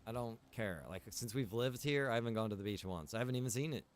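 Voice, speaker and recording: A man's voice: medium pitch, fast. A man chatting casually as he streams a game, informal and muttering to himself with the odd mild grumble. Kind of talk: casual chat while gaming.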